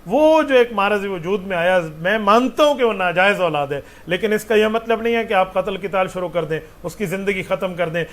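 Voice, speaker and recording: A man's voice: sits high, fairly bright tone. A man, a mufti answering religious questions with patient explanations and rhetorical questions.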